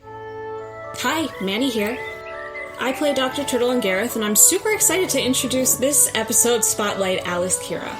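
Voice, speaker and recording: A woman's voice: a little high, animated, moderate pace, poor audio. A woman podcast cast member reading a scripted promotional spotlight. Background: loud music.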